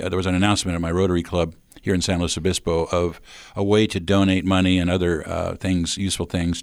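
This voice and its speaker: A man hosting a radio interview, who talks in a measured, slightly hesitant way. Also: sits low, no echo, studio quality.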